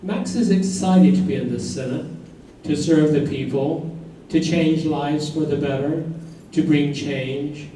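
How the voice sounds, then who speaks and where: A man's voice: a little high, a little slow, warm tone, a little hiss or hum, close to an everyday voice. A man playing an earnest narrator in a staged reading of a play. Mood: narrating. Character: earnest storytelling narrator of a couple's life. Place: live staged reading in a room. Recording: very echoey room from a distance.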